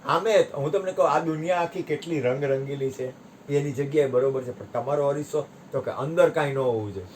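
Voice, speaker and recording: A man giving a satsang discourse, telling parables with sharp rises and drops in his voice. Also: fairly high pitch, brisk, a little hiss or hum. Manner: animated storytelling, voice rising and dropping sharply. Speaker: spiritual teacher.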